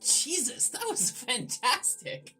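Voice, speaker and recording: Animated, bright-voiced woman doing game commentary. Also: high-pitched, slow pace, faint music behind. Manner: animated, irreverent, playful, sudden exclamations. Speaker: gaming video host. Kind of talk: let's play commentary, joking read-aloud narration.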